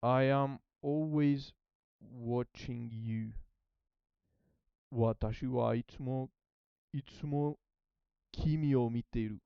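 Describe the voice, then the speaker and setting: A man's voice: medium pitch, fairly even intonation, slow pace, creaky, long pauses, smooth, highs cut off. A man who is not a native Japanese speaker, thinking aloud and repeating phrases as he works through them in a casual study vlog. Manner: hesitant, repeats phrases while translating. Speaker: language learner.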